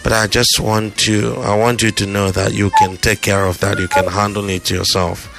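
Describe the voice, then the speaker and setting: Low-voiced Nigerian man giving firm advice. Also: little pitch movement, moderate pace, creaky, music in the background. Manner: firm, repetitive, instructive. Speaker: phone-in show host giving advice. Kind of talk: conversational advice to a caller.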